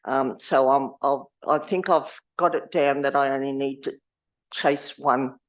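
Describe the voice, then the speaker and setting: A woman with a hoarse voice, speaking at a lectern in a council chamber, chatty and rambling with many restarts. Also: a bass voice, steady tone, measured pace. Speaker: community award volunteer. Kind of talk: informal speech at a council meeting. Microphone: lectern microphone.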